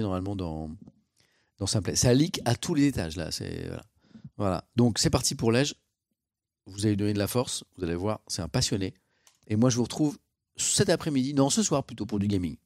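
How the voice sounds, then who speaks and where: A man's voice: lowish voice, expressive, fairly quick, a little mellow, no room sound, studio quality. A man, a live streamer chatting casually, given to theatrical mock exasperation and swearing.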